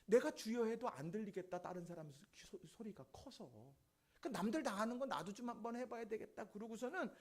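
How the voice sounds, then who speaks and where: A man's voice: high voice, a little fast. A man preaching a sermon in a church, telling a testimony story and acting out the voices of the people in it. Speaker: pastor. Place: church sanctuary.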